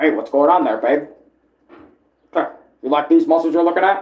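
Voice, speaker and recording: A man puts on a character voice, pitched high and delivered at a fairly quick pace. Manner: cocky, flirtatious.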